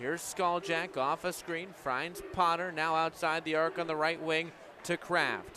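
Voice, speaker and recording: Noticeable background noise runs behind this speaker. He is a man with a high pitch. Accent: American. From Illinois, USA. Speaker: sports play-by-play broadcaster. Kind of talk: radio basketball play-by-play. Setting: radio broadcast.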